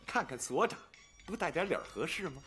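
A smug, fawning Beijing man in a period TV drama, lecturing in a self-important way. His high voice rises and falls dramatically as he speaks. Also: sing-song, quick pace, pushed and bright. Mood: ingratiating. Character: smug man working at the British legation, John. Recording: drama soundtrack with faint music.

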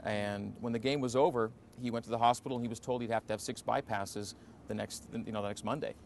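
A man in his forties, a radio announcer, answering interview questions in a relaxed, reflective way with many fillers, in an empty indoor arena. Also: fairly low pitch, fast talker, vocal fry, slight background noise. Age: 40s.

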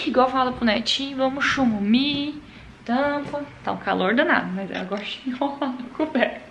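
A woman vlogging casually to her viewers from a bedroom at night, talking in a chatty way that often drops to a hushed murmur. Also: high voice, roomy sound, lo-fi sound, slight background noise. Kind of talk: casual vlog chat to viewers.

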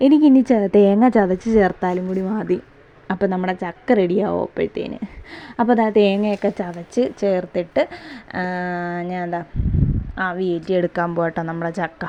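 Young trivandrum mom narrating her day, chatty and homely, mellow dull-ish lo-fi sound. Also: fairly low pitch, steady tone, normal speed. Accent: Thiruvananthapuram Malayalam. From Kerala. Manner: chatty, homely, frequent tag "kettoa". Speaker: housewife vlogger. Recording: slightly dull lo-fi audio.

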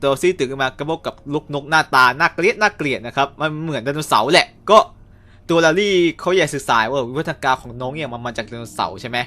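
Fast-talking bright-voiced man recapping. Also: medium pitch, expressive. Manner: chatty, polite particles, quick asides. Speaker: cartoon recap reviewer. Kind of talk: casual spoiler recap.

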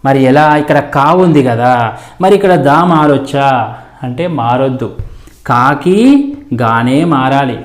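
A man's voice: medium pitch, unhurried, pauses often, roomy sound. A male teacher explaining grammar in a lesson, repeating terms and examples and answering his own questions. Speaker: Telugu teacher.

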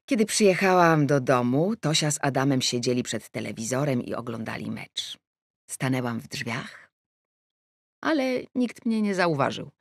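A woman's voice: extremely low pitch, very animated, normal speed, no room sound, studio quality. Wry woman narrating an audiobook. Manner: wry, ironic storytelling. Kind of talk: first-person audiobook narration.

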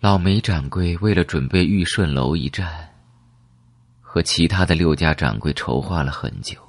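A man voicing a calm, secretive elderly woman who reminisces in a measured, wistful way in an audiobook. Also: sits low, slightly rough, no echo, exaggerated voice. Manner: slow, measured, reminiscing with rhetorical questions.

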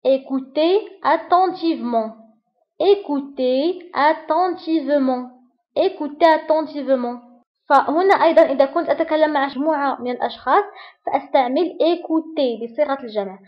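A woman teaching French phrases. She reads the quickly and repeats each French phrase slowly. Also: sits high, muffled recording. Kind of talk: French lesson for Arabic speakers.

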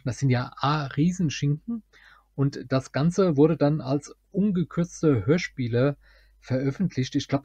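A man's voice: medium pitch, dark tone, husky, no room sound, lo-fi sound. A man co-hosting a podcast in casual chat, talking in long winding sentences. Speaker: podcast co-host.

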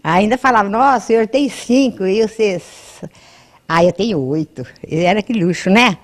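A woman's voice: medium pitch, normal speed. An 88-year-old Brazilian woman reminiscing casually in an interview at home, homely and colloquial, often adding tag questions, on a handheld microphone. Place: at home, by a house wall.

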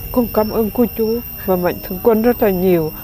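A tearful woman who collects waste for a living, speaking slowly, haltingly and humbly. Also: mid-range voice, mellow. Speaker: aid recipient, a poor waste-collecting mother. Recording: light background music.

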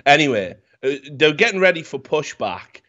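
A man, swearing freely and telling a story loudly in a casual chat, on a headset mic. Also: fairly high pitch, normal speed, lo-fi sound. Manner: profane, animated storytelling, gets loud when worked up. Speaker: podcast host. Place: home room, indoors. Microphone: headset with desk mic.

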